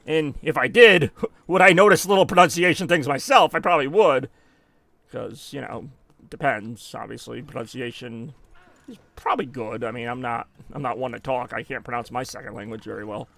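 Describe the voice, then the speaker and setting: Here a man from the United States rambles through casual gameplay chat on stream, frequently correcting himself and responding to his in-game deaths. He speaks at a moderate pace with vocal fry and a fairly bright, medium-pitched tone, recorded without echo.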